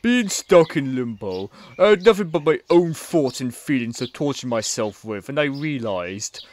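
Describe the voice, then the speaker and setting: A remorseful former villain comedian, now a frog puppet, played by a man in an audio play. He talks in an ordinary mid-pitched voice, earnest and plain. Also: animated, normal speed, a little mellow, lightly acted. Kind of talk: hobby audio play acting.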